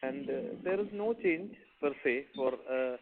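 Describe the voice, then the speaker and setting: A man's voice: mid-range voice, expressive, a little slow, a little hiss or hum. A man with an Indian accent speaking as a company executive, answering investor questions on an earnings conference call. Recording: narrow phone-like conference line.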